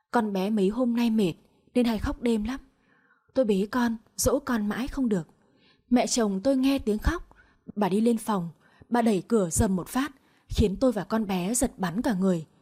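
A woman reading a scripted first-person story in a steady, plaintive way. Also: a little high, slightly rough.

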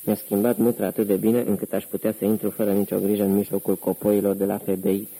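A man reading an audiobook, voicing a calm, commanding man who poses as a mob boss and gives curt orders. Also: lowish voice, slightly rough, rough recording.

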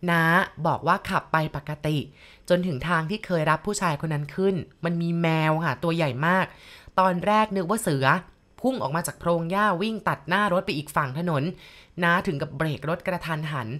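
A woman's voice: fairly low pitch, a little fast, fairly bright tone. A woman narrating a ghost story in a polite manner, speaking directly to her listeners.

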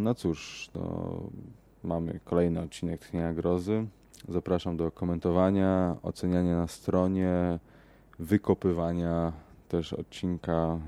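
A man reading a horror story aloud and hosting the podcast, measured in his delivery. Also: low voice, gravelly, warm tone. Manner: measured, hesitant in the outro with fillers. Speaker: podcast host and reader.

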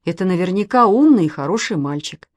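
A woman doing a mild polite dad, slow. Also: lowish voice, lively intonation, no echo, clean studio sound, close to an everyday voice. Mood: gentle. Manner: gentle, slow, mildly reproachful. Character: mild, polite father of two girls.

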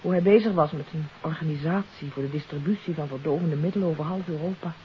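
An actress playing a troubled countess in a 1950s radio mystery, confessing earnestly and hesitantly. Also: female voice, sits low, fast talker, natural voice. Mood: regretful, reflective. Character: troubled countess confessing her part in a kidnapping. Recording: hissy, dull 1950s radio recording.

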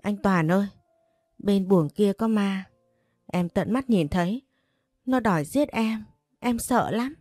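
A woman's voice: medium pitch, takes it slowly, long pauses, a little mellow, no echo, clean studio sound, faint music behind. A woman voicing a spoiled, whiny young woman guest who pleads and sneers, in a storybook. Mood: pleading.

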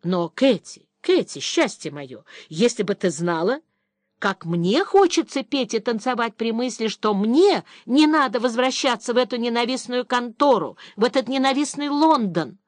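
A woman's voice: on the high side, lively intonation, normal speed, dry recording, natural voice. A woman reading an audiobook voices a young English man, a war veteran, in a dry, mocking, slightly disdainful manner. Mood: ironic.

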